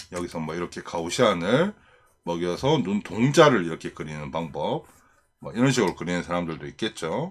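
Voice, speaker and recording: A man speaks with a very deep, low pitch and lively intonation. His fairly quick delivery has big swings in loudness. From Gyeongsang, South Korea. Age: middle-aged. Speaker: art instructor. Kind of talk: tutorial. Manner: casual, conversational.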